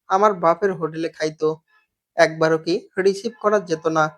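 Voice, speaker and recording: A man voicing a young woman factory worker, guarded and quick-tempered, who answers in sharp bursts. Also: a little high, fairly even intonation, natural voice.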